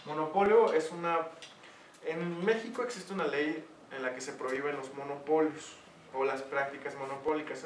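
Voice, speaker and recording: A man with a Mexican accent giving an online tutoring session as teacher, talking in a chatty way full of fillers. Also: fairly high pitch. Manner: chatty, uses many fillers. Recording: echoey room, distant mic, noisy.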